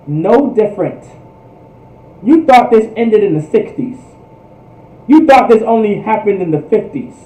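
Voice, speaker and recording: A man's voice: high-pitched, warm tone. A man teaching in a fervent preaching style, emphatic, with repetitive, rhetorical phrasing. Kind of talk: fervent religious history teaching. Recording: echoey room, distant microphone.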